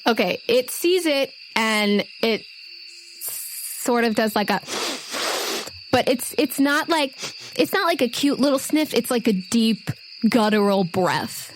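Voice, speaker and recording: A woman game master improvising narration for a tabletop role-playing game in a conversational, halting, descriptive way. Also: on the high side, animated, poor audio. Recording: faint noise with night insects and owls.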